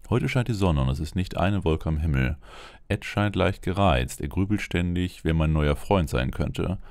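A man plays a worried wife and mother reading out her holiday diary. The voice is very low and crackly, recorded dry, with an earnest, anxious delivery. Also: animated, moderate pace, vocal fry, darkish tone, dry recording. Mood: uneasy.

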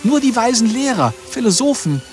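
An actor playing a loyal, earnest man in an animated fairy tale, speaking emphatically. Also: medium pitch, a little fast, faint music behind, lightly acted. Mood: realizing, thoughtful. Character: loyal, earnest bearded man, a king's devoted friend.

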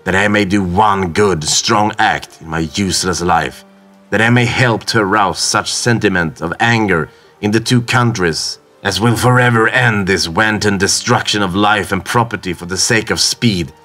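Voiced by a man, this is a proud, fallen sailor who speaks with educated precision and burning indignation. His deep voice lifts and presses harder when he defies his captain. Faint music sits quietly behind the reading. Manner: impassioned, indignant. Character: defiant, bitter educated male sailor.

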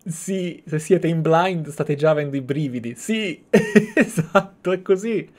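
A man's voice: fairly high pitch, lively intonation, unhurried, a little mellow. A man giving reflective, explanatory commentary as he streams a roleplay game. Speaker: gaming streamer and host.

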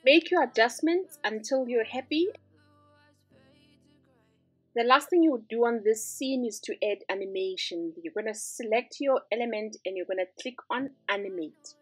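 A woman's voice: fairly high pitch, moderate pace, breathy edge, no echo, soft background music. A woman hosting a screen-recorded design tutorial, walking through each step in an upbeat, instructive way. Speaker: tutorial host.

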